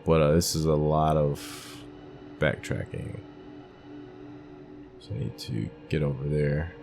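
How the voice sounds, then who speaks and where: Male gamer, extremely low pitch, casual off-the-cuff playthrough commentary, muttered thinking aloud, music underneath. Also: little pitch movement, slow, creaky. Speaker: gamer, video game playthrough host. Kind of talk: casual, unscripted gameplay commentary.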